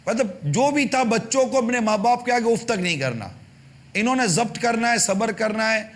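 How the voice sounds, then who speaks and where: High-voiced preacher, emphatic and questioning. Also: male voice. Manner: emphatic, rhetorical questions, repetition. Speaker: religious preacher on TV channel. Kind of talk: television sermon addressing parents.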